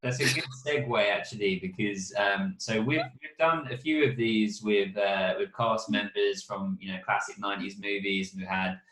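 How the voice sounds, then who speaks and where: Man with a low voice in a roomy space. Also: moderate pace, hardly any pauses, a bit bright. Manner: rambling questions with fillers. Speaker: podcast host. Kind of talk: casual podcast interview. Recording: roomy echo.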